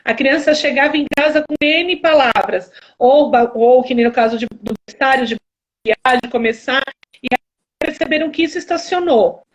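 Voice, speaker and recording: A woman's voice: high-pitched, normal speed. A woman host with a Brazilian Portuguese accent asking long, rambling questions with many restarts on a video call. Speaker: live stream host. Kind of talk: interview questions.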